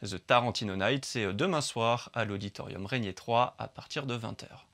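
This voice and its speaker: A man with a mid-range voice reads cultural event announcements from a script. His delivery is crisp, even and professional. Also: medium pitch, moderate pace. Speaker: news presenter for culture briefs. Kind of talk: scripted news reading.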